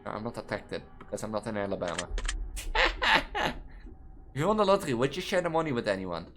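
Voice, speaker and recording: A young trans woman with a Dutch accent, reading quiz questions aloud and answering them in a rambling, halting way that restarts words mid-sentence, from her student apartment. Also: rumbling low, huge pitch swings, a bit bright, soft background music. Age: young adult. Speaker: gaming video creator.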